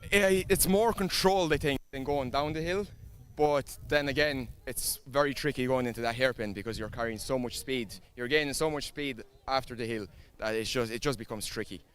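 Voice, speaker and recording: Male drift driver, relaxed and modest, clear resonant voice, pit-side interview. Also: mid-range voice, normal speed, few pauses.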